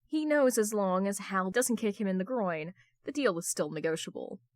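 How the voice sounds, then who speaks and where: A woman's voice: mid-range voice, animated, normal speed, no room sound, clean studio sound. A woman reading fan fiction aloud as scripted audiobook-style narration. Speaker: podfic reader.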